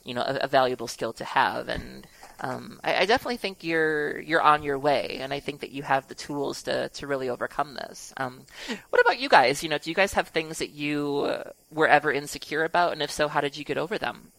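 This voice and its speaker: A woman's voice: deep voice, animated, fairly quick, creaky, fairly bright tone, no echo. A woman speaks as a podcast host with a crackly, forward voice. She offers advice conversationally, earnest and encouraging, and the sound is dry with no room to it.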